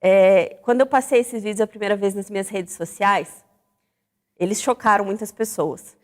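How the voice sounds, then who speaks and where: A woman's voice: medium pitch, normal speed, long reverb tail. A woman hosting a Christian radio talk show, speaking reflectively and putting questions to her listeners. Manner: reflective, animated, asks the audience questions. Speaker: host.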